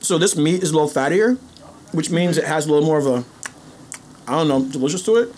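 A man's voice: a little high, fast, a little mellow. A man hosting a podcast, joking playfully while eating tacos. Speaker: podcast host. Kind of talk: casual food chat. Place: busy taco restaurant. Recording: noisy restaurant crowd. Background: restaurant crowd chatter.

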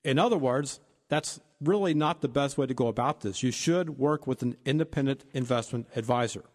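A man's voice: medium pitch, a little fast. Man explaining retirement planning, reverberant. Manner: steady explanatory, lists points. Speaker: financial advisor co-host. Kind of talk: radio-style financial advice talk.

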